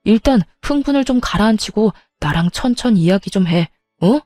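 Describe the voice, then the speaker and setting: A woman voicing a flustered husband who pleads with his wife in a lowered, placating voice. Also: lively intonation, moderate pace, a little mellow, dry recording, clean studio sound, faint music behind. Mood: pleading. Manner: placating, backpedaling.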